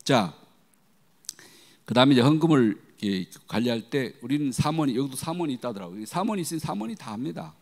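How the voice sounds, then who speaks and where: A man's voice: fairly quick, creaky. A middle-aged man preaching a sermon as a guest pastor, telling stories animatedly and acting out the voices he quotes. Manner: animated storytelling, acting out quoted voices with big pitch jumps. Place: church sanctuary. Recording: long hall reverb.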